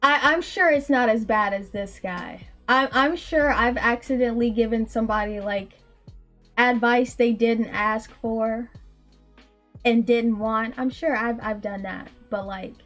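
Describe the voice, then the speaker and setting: A woman in her late twenties with a very high, small voice, telling a story in a casual chat full of laughs and fillers. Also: a little slow, soft background music. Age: late 20s. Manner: animated, laughs often, frequent likes and ums. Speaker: indie game developer and streamer.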